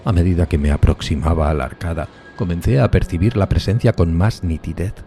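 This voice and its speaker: A man's voice: deep voice, brisk, mellow, soft background music. A man playing a lonely, horrified undead outcast who tells his tale in a solemn, anguished, theatrical horror audiodrama style, drawing out emphatic words. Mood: fearful, tense. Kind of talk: dramatic gothic horror audiodrama narration.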